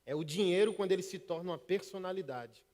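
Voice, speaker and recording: A middle-aged preacher delivers a sermon, moving from hushed passages to loud bursts. His voice sits a little high for a man. It rings out with the long reverb of a church hall. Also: quick pace. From Northeast Brazil. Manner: storytelling, swings from hushed to loud. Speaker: pastor. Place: church service.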